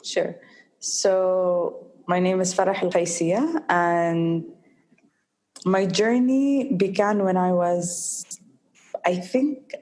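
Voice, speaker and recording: A young woman from the United Arab Emirates, a guest in an interview, speaking slowly and with a mild stutter and pauses. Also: on the low side, a little mellow. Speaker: guest, social entrepreneur. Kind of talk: interview conversation.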